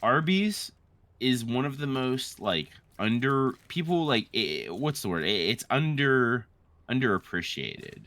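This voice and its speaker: A man's voice: medium pitch, very animated, unhurried, a bit bright, no room sound. A man co-hosting a let's-play, chatting casually with a friend in a rambling, sweary way. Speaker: co-host of a let's-play show. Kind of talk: casual gaming banter between friends.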